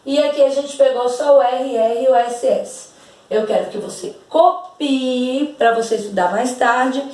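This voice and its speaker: A Brazilian woman teacher speaks slowly and patiently, stretching out words so their sounds come through clearly. Her voice sits a little high and reaches the mic from a distance. It rings around a very echoey room. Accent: Brazilian Portuguese. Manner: slow and patient, drawing out words to demonstrate sounds. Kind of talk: slow, over-articulated classroom explanation.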